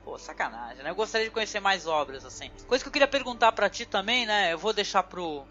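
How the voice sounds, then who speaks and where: A Brazilian woman hosts a podcast in casual chat, talking loosely and constantly filling with little tag words like "né." Her medium-pitched voice is animated, quick, and fairly bright, recorded on dull lo-fi audio with faint music.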